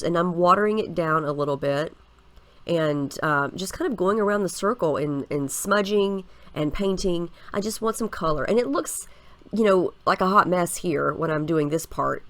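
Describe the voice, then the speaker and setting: A woman's voice: on the low side, dry recording. A woman in her thirties with a stuffy, scratchy voice from a head cold, chatting casually as she narrates a scrapbooking process. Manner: chatty, relaxed, explains each step with fillers. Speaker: scrapbooking video host.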